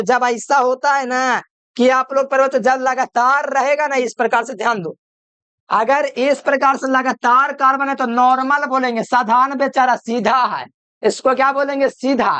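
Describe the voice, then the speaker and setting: A man's voice: very high-pitched, steady tone, moderate pace, bright, forceful tone, smooth, dry recording. A man giving a chemistry video lecture, repeating each point and quizzing the listener with call-and-answer questions. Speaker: chemistry teacher. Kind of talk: classroom-style video lecture.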